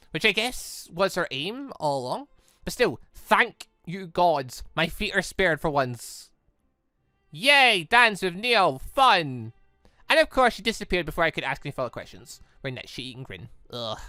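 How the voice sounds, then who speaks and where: Animated man commentating on a game. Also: high-pitched, no echo, studio quality. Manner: rambling, excitable, thinking aloud. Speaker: let's play host. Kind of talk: casual game commentary with read-out dialogue. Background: faint music.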